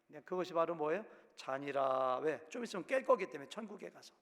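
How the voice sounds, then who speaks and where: Chungcheong-accented pastor guy preaching, highish voice, big echoey church hall, does little voices for quotes. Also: fast. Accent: Chungcheong Korean. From Korea, Chungcheong province. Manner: animated, acts out quotes in shifting voices. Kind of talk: sermon. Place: church sanctuary. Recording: long hall reverb.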